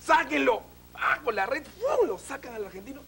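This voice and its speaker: A man comedian telling jokes in an animated way, with spoken sound effects. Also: extremely high pitch, moderate pace, creaky, crowd noise. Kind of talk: stand-up joke telling.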